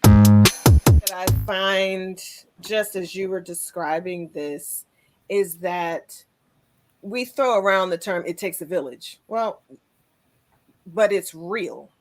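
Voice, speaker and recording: A woman hosting a conversational interview, speaking in measured, short rhetorical phrases. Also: lowish voice, a little mellow, faint music behind. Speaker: talk show host.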